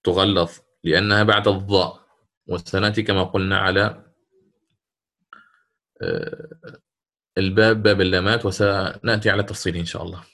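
A man's voice: low-pitched, steady tone, a little fast, vocal fry, long pauses, fairly bright tone. A man teaching a class on Quran recitation rules, questioning his students and explaining each rule step by step.

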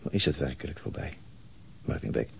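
An actor playing a terse, brooding police detective in charge, in a radio crime drama. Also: male voice, fairly quick, slight background noise, lightly acted. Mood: brooding, haunted.

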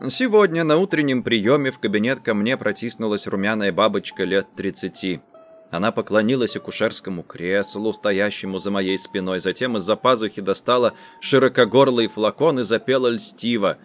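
A man reading a literary story aloud as an audiobook narrator, in an expressive and dramatic way. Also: medium pitch.

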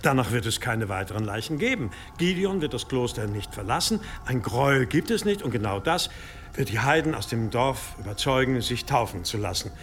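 An actor playing a zealous, authoritative Christian abbot who declaims with command in a German radio drama. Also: male voice, medium pitch, animated, a little fast, background noise, natural voice. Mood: resolute, preaching.

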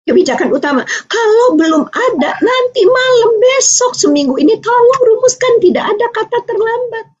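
Speaking at an extremely high pitch and a normal speed, with hardly any pauses, a woman from Aceh, Indonesia gives a talk at an online parenting seminar. She animatedly tells a personal story, acting out the voices in it, and at times grows tearful. The audio is muffled, lo-fi online meeting sound.

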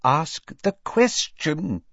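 A man voicing a tired, gentle middle-aged wizard husband who speaks calmly and insists on procedure. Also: on the high side, drawn-out words, no echo, pitched above the performer's own voice, full character voice. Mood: weary. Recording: dull, dry lo-fi recording.

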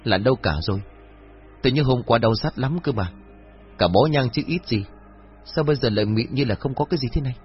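A man's voice: mid-range voice, fairly quick, pitched above the performer's own voice, natural voice. A man voicing a frightened, superstitious young village man who stammers when scared. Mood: agitated. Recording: dull lo-fi audio with faint music.

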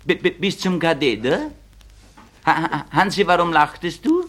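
A man's voice: a little high, big pitch swings, moderate pace, a bit bright, voice pushed up. A man voicing a scandalized female schoolteacher who stutters. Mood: scandalized scolding.

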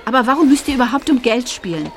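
A spirited teenage schoolgirl in a radio play, speaking a little high with lively, swinging intonation. She is direct and quick to take up a friend's cause. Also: a little hiss or hum. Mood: confrontational. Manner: direct and indignant.

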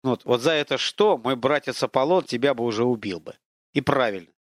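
A man voicing an invisible, boastful male war god who mocks and lectures in a pompous, drawn-out, declamatory way. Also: mid-range voice, no room sound, clean studio sound, close to an everyday voice. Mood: haughty.

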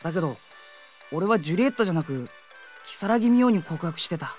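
A woman voicing an earnest, nervous high school boy with a husky voice in an audio drama. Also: lively intonation, fairly quick, darkish tone, soft background music, close to an everyday voice. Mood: sincere, wistful. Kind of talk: Japanese anime-style audio drama acting.

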